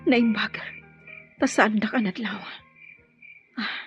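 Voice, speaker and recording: A woman's voice: medium pitch, steady tone, takes it slowly, a bit bright, soft background music. A woman playing a secretive, nervous young daughter of a tribal chief in an Ilocano radio drama, speaking respectfully and furtively. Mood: conspiratorial. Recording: slightly muffled radio drama sound.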